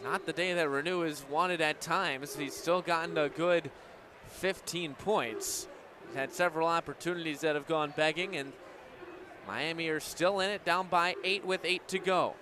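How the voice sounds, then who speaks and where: A man's voice: on the high side, fairly even intonation, normal speed. A young American man in his twenties calling a game live as a radio play-by-play broadcaster. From United States. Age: 20s. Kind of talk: live sports radio commentary. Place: at live sports venues. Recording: crowd and gym noise behind. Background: crowd, ambient game noise.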